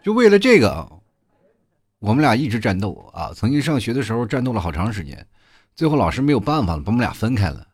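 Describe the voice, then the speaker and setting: A young man from Inner Mongolia, hosting a comedy podcast and telling funny school stories in a chatty, animated way, full of asides to listeners. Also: medium pitch, fast, slightly rough, no echo, studio quality. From Inner Mongolia, China. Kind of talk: comic storytelling monologue.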